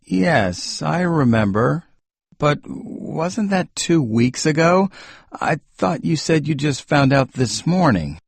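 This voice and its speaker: A tired, restless gentleman who sounds husky and low-key, voiced by a male audiobook reader. The delivery is close and dry, with no room sound. Most of the time it stays near the reader's own voice. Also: expressive, slow pace, dry recording, exaggerated voice. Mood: doubtful. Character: weary gentleman husband, quietly restless. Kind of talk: audiobook character voice.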